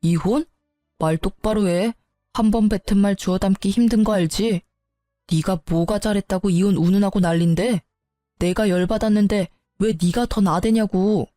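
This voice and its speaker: A woman plays a young husband in a storybook tale, defensive and scornful, snapping back in a mellow, low-key voice. The sound is dry and close, with faint music behind. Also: fairly even intonation, normal speed, no echo, natural voice. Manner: argumentative, sneering.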